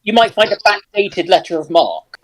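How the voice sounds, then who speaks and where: A man's voice: high-pitched, big pitch swings, normal speed, a crowd in the background. A man on a panel, chatting casually as he joins the discussion. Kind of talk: casual chat.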